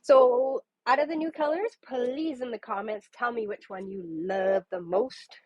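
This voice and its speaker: A papercrafting demonstrator livestreaming from her home craft table greets viewers by name in casual chat, her voice nasal from a cold. It's fairly high-pitched, a little slow, with a breathy edge. The audio is dull, with no room sound.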